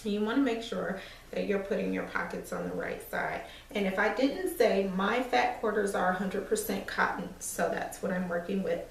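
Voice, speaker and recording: Woman, slightly hoarse, gravelly, chatty sewing tutorial, echoey room, far from the camera. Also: mid-range voice, moderate pace. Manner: relaxed, chatty step-by-step explaining with fillers. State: slightly hoarse, losing her voice. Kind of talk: casual craft tutorial. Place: small room indoors at an ironing board.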